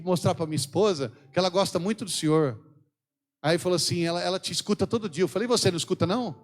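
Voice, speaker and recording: A man with a Brazilian Portuguese accent preaching a fervent, exhorting sermon at a church event. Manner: fervent, exhorting the congregation with sweeping pitch swings.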